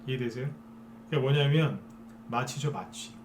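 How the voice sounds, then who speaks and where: A man's voice: medium pitch, moderate pace, slight background noise. A man giving a live stock trading lecture as a broadcaster, persuading viewers and often asking them to agree.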